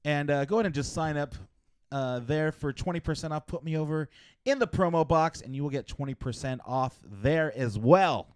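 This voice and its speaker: A man's voice: a little high, moderate pace, dry recording. A man hosting a casual podcast, playfully introducing co-hosts and reading sponsor spots. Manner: playful, hyping up guests, joking. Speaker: podcast host. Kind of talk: casual podcast chat and ad reads.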